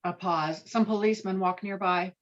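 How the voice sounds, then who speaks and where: The audio is muffled and a little lo-fi. A woman narrates a script, reading scene headings and stage directions in a mid-pitched voice. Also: steady tone, moderate pace.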